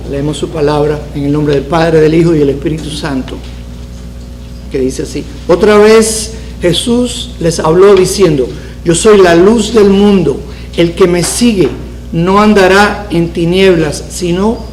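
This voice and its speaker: A man's voice: high-pitched, a little mellow, echoey room, a little hiss or hum, poor audio. A man from Cuba, teaching a Bible study to a congregation, repeating key phrases and asking them questions. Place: church sanctuary.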